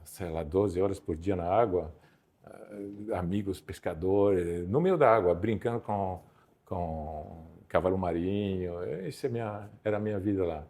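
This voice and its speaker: A man in his fifties from Belgium with a French-speaking Belgian accent, a photographer telling stories in a relaxed interview, with halting, self-repeating phrasing. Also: fairly low pitch. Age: 50s. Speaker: guest photographer. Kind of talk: casual interview storytelling.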